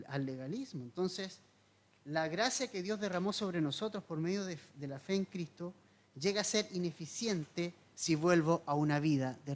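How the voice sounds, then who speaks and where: Man, pastor, verse-by-verse sermon, earnest teaching tone, rhetorical questions, repeats for emphasis. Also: fairly high pitch. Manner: asks the listener rhetorical questions and repeats key points for emphasis.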